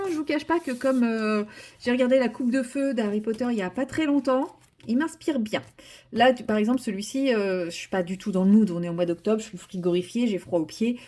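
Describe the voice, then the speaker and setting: A woman's voice: on the high side, mellow. Chatty woman vlogging at home. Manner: chatty, rambling, many fillers and restarts. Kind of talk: casual chat.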